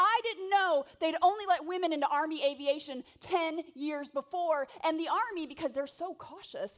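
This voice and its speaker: Speaking with an American accent at a moderate pace with hardly any pauses, a woman with an extremely high voice sounds energetic and animated, her pitch swinging very widely and her loudness shifting in big swings. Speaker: keynote speaker and former Army helicopter pilot. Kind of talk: motivational keynote speech to a live audience. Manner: energetic, animated, conversational.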